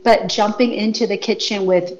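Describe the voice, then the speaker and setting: A woman's voice: medium pitch, fairly even intonation, normal speed, a little mellow. A woman speaks over the phone as a radio guest, rambling casually through her stories with plenty of fillers. The line is muffled and dull. A faint noise sits behind her voice. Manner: casual storytelling with many fillers. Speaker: guest chef and wellness consultant.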